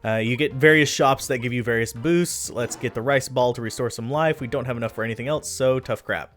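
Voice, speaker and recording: A man talks through his own gameplay in a relaxed, chatty way, laughing at his own mistakes and drifting off topic now and then. His voice sits at an ordinary middle pitch. Light game music plays quietly behind him. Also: fairly quick. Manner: chatty, self-deprecating, easily sidetracked. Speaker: let's play commentator. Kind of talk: casual gameplay commentary.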